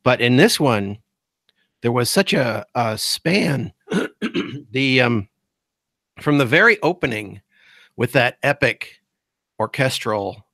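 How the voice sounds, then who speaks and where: A man talks slowly on a podcast, pausing often and hunting for the right words. His voice sits at an ordinary middle pitch. The sound is close and dry. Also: expressive, vocal fry, fairly bright tone, dry recording. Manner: halting, searching for words with many fillers. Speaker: guest host. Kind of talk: casual podcast discussion.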